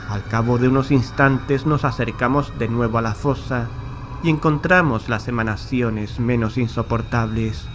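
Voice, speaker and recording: An actor playing a haunted, nervous man who recounts a graveyard horror in a solemn, measured, literary way. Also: mid-range voice, close to an everyday voice. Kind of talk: scripted horror audiobook narration. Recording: clear background noise and ambience.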